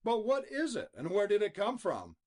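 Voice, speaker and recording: A man's voice: sits high, huge pitch swings, moderate pace, darkish tone, voice pushed up, exaggerated voice. A man voicing a puzzled young man, the second brother.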